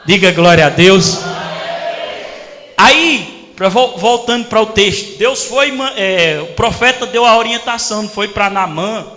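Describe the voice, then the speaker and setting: A male pastor from Brazil, preaching a sermon as animated storytelling and acting out voices. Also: sits high, a little slow, in a large hall. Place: church hall.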